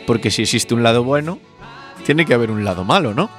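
A man's voice: medium pitch, lively intonation, fairly quick, loud music behind the voice. A man reading a scripted TV episode recap in a wry, chatty storytelling tone. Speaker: video narrator.

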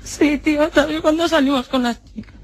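A woman's voice: high-pitched, normal speed, slight background noise. A woman on a phone call, stammering and hesitant. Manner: hesitant, stammering, then insulting. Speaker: caller. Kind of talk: heated phone argument.

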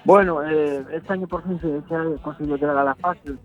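A man calling in to a radio show over the phone, chatting casually with relaxed hesitations. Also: a little high, brisk, faint music behind. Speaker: radio caller. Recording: tinny phone line.

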